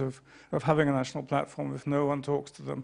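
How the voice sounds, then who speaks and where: A man's fairly high voice with a British accent, at a fairly quick pace. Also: quiet background. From Great Britain. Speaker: panel moderator. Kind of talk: conference panel moderation. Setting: conference hall with audience, microphone. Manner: halting, many fillers and restarts.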